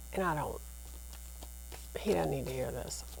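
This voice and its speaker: A quiet woman speaks amid audible room echo and noticeable background noise. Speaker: tarot reader. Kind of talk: casual monologue. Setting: at home.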